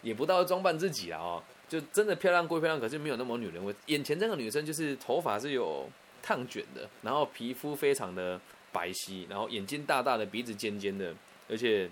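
A man with a Taiwanese Mandarin accent telling a personal story in a chatty, animated way, often restarting and adding asides. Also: mid-range voice, slight background noise.

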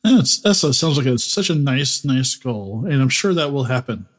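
A man's voice: medium pitch, expressive, normal speed. A man hosting as game master, easygoing and stumbling with a wry tone.

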